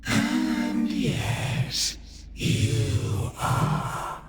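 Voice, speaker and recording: A woman voicing an ancient, cryptic, imperious spirit in a video game, with breathy, oracular delivery. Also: high-pitched, big pitch swings, heavily acted. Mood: ominous, commanding. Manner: oracular, drawn-out phrasing. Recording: long reverb, music behind. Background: game music.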